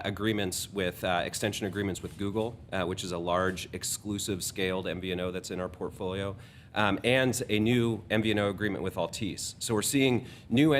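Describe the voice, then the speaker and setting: A man's voice: fairly low pitch, fairly bright tone, a little hiss or hum. A man speaking as a company executive, giving an explanatory update on an earnings call.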